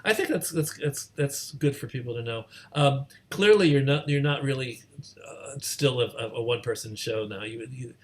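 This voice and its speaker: A man hosting a casual online group discussion, talking in a halting way and rephrasing his thoughts as he goes. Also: medium pitch. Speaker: host of an online community gathering. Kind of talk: casual moderated video-call discussion. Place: remote video call.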